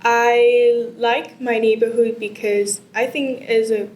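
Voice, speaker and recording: A woman's voice: fairly high pitch, fairly even intonation, slow, a little mellow. A young Vietnamese woman, a non-native English speaker, answering exam questions hesitantly with many fillers and repeats. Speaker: test candidate. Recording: echoey room with faint noise.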